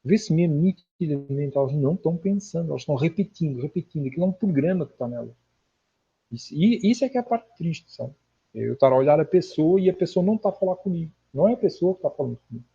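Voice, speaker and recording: A man's voice: a little high, animated, quick pace, dark tone, breathy edge. A man from Portugal with a Portuguese accent, speaking casually and earnestly as a livestream host, with emphatic repetition, on lo-fi audio. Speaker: online spiritual lecturer, livestream host. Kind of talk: casual livestream talk answering viewers' comments.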